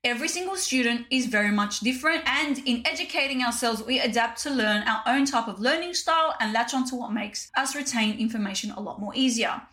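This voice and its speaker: A woman's voice: a little high, fairly quick, few pauses, sharp tone. A woman, hosting a casual solo podcast and talking to listeners in a chatty, direct way. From Australia. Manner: chatty, direct, addresses listeners as "you guys". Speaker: podcast host.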